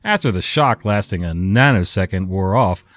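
A man's voice: low voice, moderate pace, dry recording. A man reading online stories aloud and adding his own casual commentary. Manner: lively, conversational storytelling. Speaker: story narrator.

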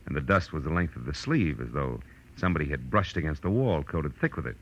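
Deep, hard-boiled radio private eye. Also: male voice, lively intonation, a little fast, dull audio, a little hiss or hum. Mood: patient explaining. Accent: American. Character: hard-boiled male private detective, wry and patient. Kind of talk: 1940s radio detective drama acting. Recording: vintage 1940s radio broadcast with music.

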